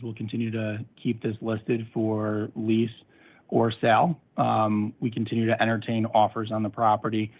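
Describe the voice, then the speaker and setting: A man answering as a company executive in measured, conversational business talk over a muffled phone line. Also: fairly low pitch.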